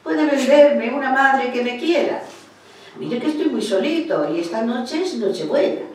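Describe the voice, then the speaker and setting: A woman's voice: high-pitched, expressive, normal speed, darkish tone, a little hiss or hum. A woman voicing a pleading little orphan boy. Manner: pleading, tearful. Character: poor little orphan boy begging for a mother. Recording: roomy hall, voice far from mic.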